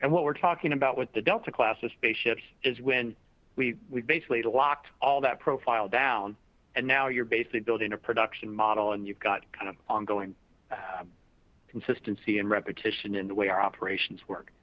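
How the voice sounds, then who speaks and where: A man speaking as a company executive, answering questions in a measured, diplomatic and explanatory way in a semi-formal business style. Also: fairly low pitch, steady tone, no room sound. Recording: dull lo-fi conference call audio.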